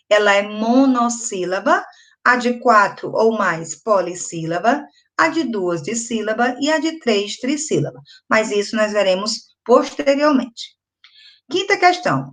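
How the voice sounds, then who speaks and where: A woman's voice: a little high, a bit bright. A woman teaching a first-grade video lesson with a Brazilian Portuguese accent, spelling out words syllable by syllable and asking her pupils questions. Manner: slow, patient, syllable-by-syllable explaining with questions to pupils. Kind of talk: video lesson for young children.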